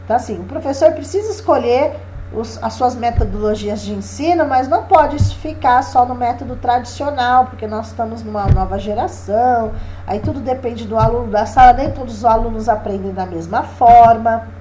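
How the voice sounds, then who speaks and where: High-voiced woman teaching. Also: normal speed, mellow, slight background noise. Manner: explanatory, checks in with "né?" and "tá?". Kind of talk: exam review lesson.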